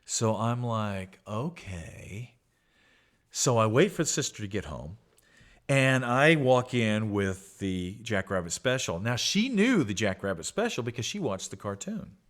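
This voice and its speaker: Lively man telling a childhood story. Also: lowish voice, moderate pace. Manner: animated, acts out childhood voices. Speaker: podcast host.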